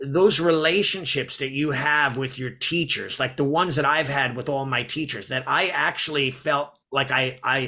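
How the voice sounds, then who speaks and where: Speaking with an American accent, a man with a fairly high pitch and a bright, sharp tone keeps a moderate pace, fairly even intonation and hardly any pauses. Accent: Long Island, suppressed. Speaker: martial arts school owner and podcast co-host. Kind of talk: casual podcast chat.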